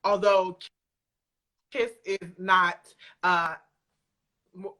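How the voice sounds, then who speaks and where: A woman speaking as an interview guest on a remote call, informal and reflective, often halting as she works out her answers. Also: on the low side, fairly even intonation, pushed and bright. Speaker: guest, audio drama creator. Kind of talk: casual interview chat. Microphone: remote video call.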